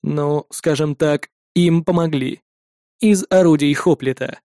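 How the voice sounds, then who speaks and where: A man reading an audiobook who voices a calm, terse male combat android, speaking in a cold and measured way. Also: fairly high pitch, no room sound, studio quality. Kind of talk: audiobook character voice.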